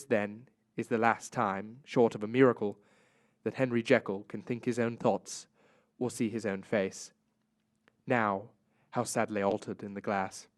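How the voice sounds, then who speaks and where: A man's voice: medium pitch, lightly acted. A man playing a doomed Victorian doctor in a radio drama, reading his final confession in a grave, formal, theatrical way.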